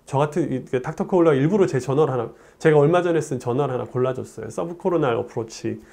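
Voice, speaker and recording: A man's voice: medium pitch, fast talker, vocal fry. A man in his forties, a urologist, talking to camera in a chatty storytelling way in a plain studio on a lapel mic. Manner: animated, gesturing hands, chatty storytelling. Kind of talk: explanatory talk to camera.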